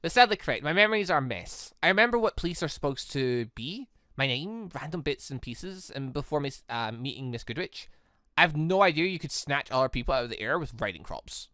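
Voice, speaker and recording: A game streamer as a candid, bright-voiced young man. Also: mid-range voice, big pitch swings, a little fast, no echo, studio quality. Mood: wry, candid. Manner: casual, candid, wry. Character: earnest, candid young man with lost memories.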